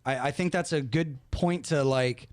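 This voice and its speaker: A man's voice: mid-range voice, moderate pace, dry recording. A man hosting a casual money podcast, joking and putting questions to his co-hosts. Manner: relaxed, joking, asks questions. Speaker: podcast host.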